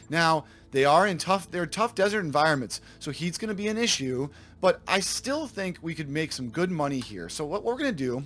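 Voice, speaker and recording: Slightly raspy man, lively pitch. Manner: thinks aloud, self-correcting, addresses viewers. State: slightly raspy from a sore throat. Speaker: let's play host. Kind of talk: casual gameplay commentary.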